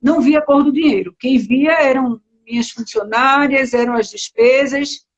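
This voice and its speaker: High-pitched woman w a pernambuco accent chatting on a live video call, kinda muffled lo-fi sound, lots of fillers. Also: normal speed. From Recife, Brazil. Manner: chatty, many fillers and self-corrections. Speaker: entrepreneur, guest. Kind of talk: casual live-stream interview.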